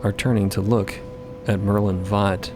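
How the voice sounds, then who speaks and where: A man's voice: on the low side, level tone, unhurried. A man giving dramatic scripted narration for a fiction podcast. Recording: voice over prominent music. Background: music.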